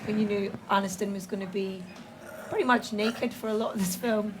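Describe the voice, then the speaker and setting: A woman's voice: medium pitch, steady tone, fairly quick. Woman, stage interviewer, playful, laughs a lot, live audience, noisy room. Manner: playful, laughs often, teasing questions. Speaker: interviewer at a live film event. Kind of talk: event interview with audience questions.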